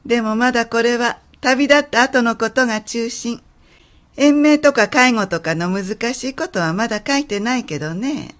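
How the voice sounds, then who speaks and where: A woman acting as an elderly mother in a radio drama, brisk and confident at first, then quiet and halting. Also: on the high side, close to an everyday voice. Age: older.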